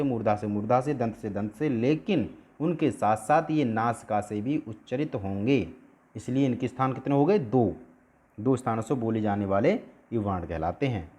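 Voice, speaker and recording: A male teacher giving an explanatory lesson at a board. He asks questions and answers them himself, and sounds out each letter slowly to demonstrate. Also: medium pitch, a little mellow.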